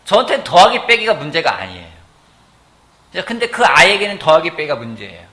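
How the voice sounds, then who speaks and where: A middle-aged man preaching a sermon as pastor in a church, animated and often asking the congregation questions. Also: fairly high pitch, fairly quick. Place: church sanctuary.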